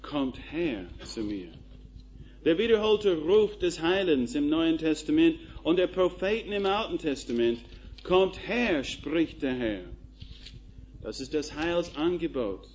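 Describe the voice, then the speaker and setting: Male preacher, slightly high voice, very slow, emphatic delivery; dull lo-fi recording with faint hiss. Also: expressive, darkish tone. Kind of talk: sermon.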